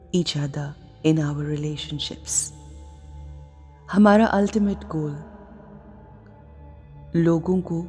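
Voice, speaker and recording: Woman meditation guide: deep, unhurried, soothing, over quiet music. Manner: slow, soft and soothing, sometimes dropping to a whisper.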